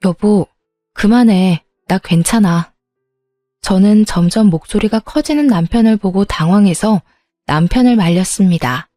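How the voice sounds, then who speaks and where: A woman narrating a dramatized story in a calm, steady manner and voicing herself in it. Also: mid-range voice, a little slow, dry recording, faint music behind.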